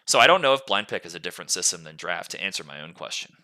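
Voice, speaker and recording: A man's voice: sits low, big pitch swings, rapid-fire, pushed and bright. A man hosting a casual gaming podcast, explaining things at length in a rambling way. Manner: casual swearing. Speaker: podcast host.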